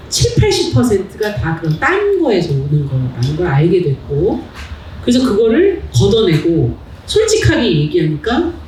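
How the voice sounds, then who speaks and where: A middle-aged woman giving a public lecture in a hall, animated and asking the audience questions. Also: medium pitch, recorded from a distance, slight background noise. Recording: echoey hall, mic heard from afar.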